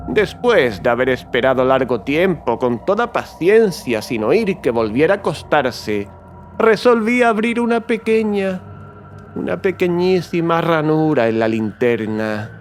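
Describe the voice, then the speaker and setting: An actor playing a mad, gloating murderer who confesses in a theatrical horror audiobook, swinging between hushed and agitated delivery. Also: male voice, on the high side, sing-song, a little slow, slight background noise. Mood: tense, mounting fury. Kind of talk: dramatic horror audiobook narration.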